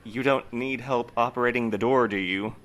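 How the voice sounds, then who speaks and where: A man playing a guarded postmaster in an audio drama, speaking in a measured, formal and evasive way. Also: mid-range voice, fairly even intonation, a bit bright, close to an everyday voice. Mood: officious. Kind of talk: audio fiction acting.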